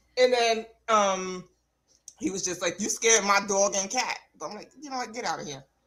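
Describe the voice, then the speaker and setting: A woman speaks with a New York accent and ordinary pitch variation. Her speech has long, frequent pauses. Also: medium pitch for a woman, moderate pace, big swings in loudness. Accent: New York accent, noticeable. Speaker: wrestling commentator. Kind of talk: casual chat. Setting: live stream.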